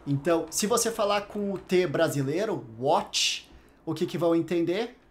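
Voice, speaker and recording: A Brazilian man teaching a private English lesson, patiently explaining pronunciation and repeating English words slowly to demonstrate the sounds. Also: sits high, lively intonation. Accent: Brazilian Portuguese.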